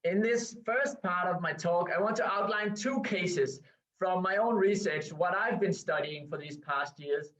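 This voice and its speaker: A man's voice: high-pitched, measured pace, fairly bright tone. A man from Denmark with a Danish accent gives an academic presentation from home over a video call, hesitating often with um and uh. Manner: hesitant, with frequent um and uh fillers and restarts. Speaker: researcher giving a guest lecture. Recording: distant, dull video-call audio.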